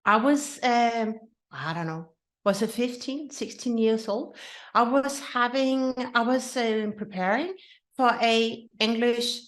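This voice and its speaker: A woman's voice: fairly high pitch, slow pace. A woman from Denmark with a Danish accent, whose first language is Danish, hosting her own podcast in an earnest, personal way with many restarts. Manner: earnest, with frequent restarts and repetitions. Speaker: podcast host. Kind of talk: casual solo podcast talk.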